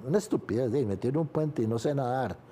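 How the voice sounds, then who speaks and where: Older Costa Rican male interviewee, mellow low timbre, candid confessional storytelling with rueful laughs. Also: animated, fast talker, a little hiss or hum. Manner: confessional, laughs through painful memories. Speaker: guest, sports journalist.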